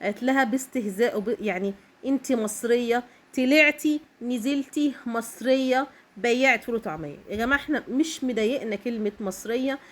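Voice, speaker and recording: Fast-talking Egyptian woman with a cold. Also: fairly high pitch. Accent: Egyptian Arabic. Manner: emphatic, keeps checking in with "okay?". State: has a cold, coughing. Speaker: vlogger. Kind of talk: casual direct-to-camera monologue.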